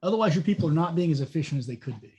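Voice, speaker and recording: A man with a somewhat higher pitch hosts a business podcast interview. He is blunt and opinionated, and he often stops to warn listeners in a crude, exasperated rant. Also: expressive, very fast, a little mellow, dull audio. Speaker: podcast host.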